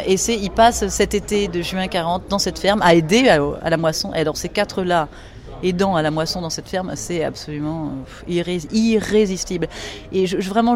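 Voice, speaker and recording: A middle-aged woman novelist with a medium-pitched, darkish voice, interviewed as a guest for a radio documentary. She speaks enthusiastically, often restarting and repeating words.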